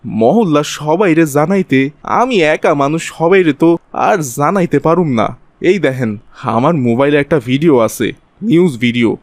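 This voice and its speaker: Cartoon scheming conman, male actor: Bangladeshi accent, slightly high pitch, wheedling colloquial delivery, dry close sound. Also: animated, a little slow, no room sound. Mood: persuasive. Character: scheming city man, sly profiteer spreading virus panic. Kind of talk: Bengali cartoon voice acting.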